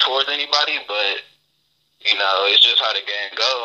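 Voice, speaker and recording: With ordinary pitch variation, a male voice of medium pitch moves at a moderate pace. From Springfield, Illinois. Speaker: rapper. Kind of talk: interview.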